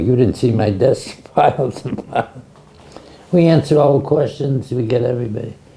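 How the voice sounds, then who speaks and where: With a Chicago accent, a man speaks at a medium pitch over noticeable background noise. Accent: Chicago American English. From US Midwest, Chicago. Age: 80s+. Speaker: museum director. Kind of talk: interview.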